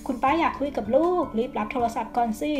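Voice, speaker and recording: A woman voicing a toy family's mother who scolds and coaxes her son gently. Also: a little high, fast talker, faint music behind, pitched below the performer's own voice, close to an everyday voice. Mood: coaxing.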